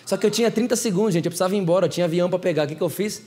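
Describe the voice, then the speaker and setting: A young male preacher with a Brazilian Portuguese accent and a high voice. He tells stories in a lively, animated way and turns often to the congregation as he speaks. His delivery moves at a quick pace. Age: young adult. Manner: animated storytelling, talking straight to the congregation. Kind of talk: sermon.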